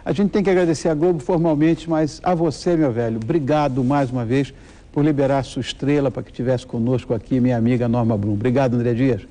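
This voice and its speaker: Dark-voiced Brazilian male talk show host. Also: medium pitch, steady tone, quick pace. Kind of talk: conversational interviewing.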